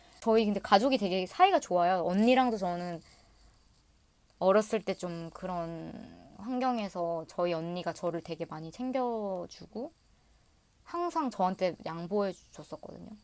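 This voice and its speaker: In a very clean recording with a silent background, a woman of medium pitch speaks at a fairly slow pace, with ordinary pitch variation and big swings in loudness. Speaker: vlogger, office worker abroad. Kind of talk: casual Q&A vlog talk. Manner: hesitant with frequent fillers.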